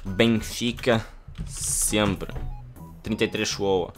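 A man's voice: on the low side, fairly even intonation, drawn-out words, soft background music. A young man from Portugal, joking crudely while he reads chatbot replies aloud in a casual gaming vlog. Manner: jokey, crude, reads typed lines aloud. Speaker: gaming youtuber.

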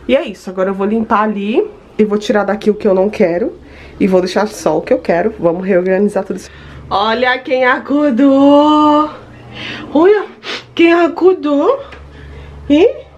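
A chatty woman in her thirties with a Brazilian Portuguese accent, talking straight to her viewers in a casual home vlog. Her voice sits at an everyday middle pitch, recorded in a home kitchen with a faint hiss of room noise behind her. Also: steady tone, quick pace, darkish tone. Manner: chatty, addresses viewers directly. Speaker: vlogger.

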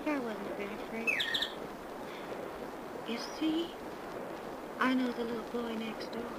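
An actress playing a gentle young woman in love, earnest and tender, in 1930s radio drama style. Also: fairly high pitch, measured pace, lightly acted. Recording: very noisy 1930s radio broadcast recording.

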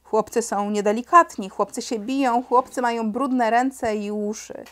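A woman's voice: a little high, fairly even intonation, a little slow, a bit bright. A woman reading aloud and voicing a bold, outspoken young girl who lectures a crowd indignantly in a storybook.

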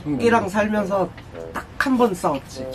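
A young man chatting casually and telling anecdotes in an animated way, acting out quotes as he goes. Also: high voice, normal speed. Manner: animated storytelling with acted-out quotes. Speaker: vlogger. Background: music.

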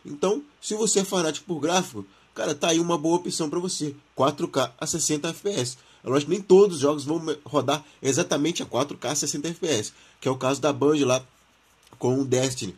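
A man's voice: fairly high pitch, fast, breathy edge. A Brazilian man hosting a gaming channel, reading and commenting on news in informal, slangy talk, his throat sore from the flu.

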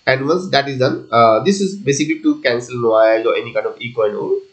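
A man giving an unscripted coding walkthrough as a tutorial presenter, explaining step by step in a halting, repetitive way. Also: mid-range voice, poor audio.

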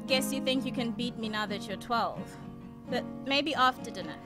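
A woman's voice: fairly high pitch, normal speed, over music, lightly acted. A woman playing a caring young student, a chatty and protective big sister, in an audio drama.

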